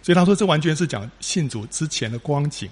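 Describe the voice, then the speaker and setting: Husky-voiced man preaching with lively emphasis. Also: fairly high pitch, quick pace. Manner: storytelling with lively rising emphasis and many filler particles. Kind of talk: sermon.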